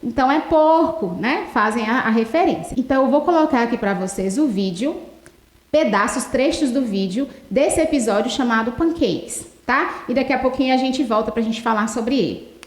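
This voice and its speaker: A woman's voice: fairly high pitch, moderate pace. A Brazilian woman teaching an English lesson, explaining step by step and switching between English and Portuguese. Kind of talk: televised lesson. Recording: roomy echo.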